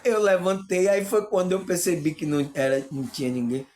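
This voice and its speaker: A man's voice: high-pitched, animated, a little fast, darkish tone. A man talking casually and earnestly to his viewers about spiritual perception, often checking in with "you know?" and laughing. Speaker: spiritual video host.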